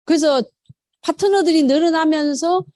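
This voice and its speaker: A woman's voice: high-pitched, normal speed, dark tone, dry recording, studio quality. A middle-aged woman leading a motivational sales seminar, who poses questions to the audience, answers them herself, and acts out quoted phone calls. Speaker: network marketing sales leader.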